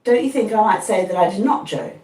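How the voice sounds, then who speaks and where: An eager young apprentice, earnest and pleading as he makes his case, read aloud by a woman. The voice moves with lively pitch. It comes through roomy and a little distant. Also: brisk, close to an everyday voice. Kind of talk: audiobook reading.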